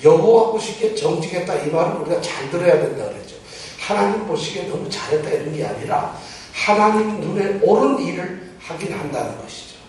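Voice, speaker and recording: Guy giving a bible sermon, kinda high voice, heavy echo, mic way off. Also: animated, fairly quick, few pauses. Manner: poses rhetorical questions to the congregation. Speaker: preacher. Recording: very echoey church hall, mic far off.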